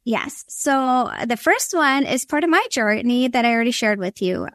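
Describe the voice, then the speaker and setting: A woman's voice: fairly high pitch, lively intonation, moderate pace, fairly bright tone, no echo, studio quality. A young woman from Latvia with a Minnesota accent, a podcast guest giving earnest, encouraging advice on parenting. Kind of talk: conversational interview.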